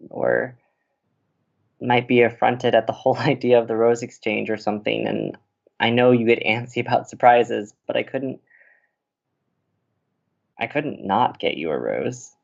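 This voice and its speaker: In an audio romantic comedy, an actor plays an earnest young man, smitten and co-hosting college radio. He speaks haltingly, tenderly and teasingly in a gravelly, medium-pitched voice, and the recording's highs are cut off.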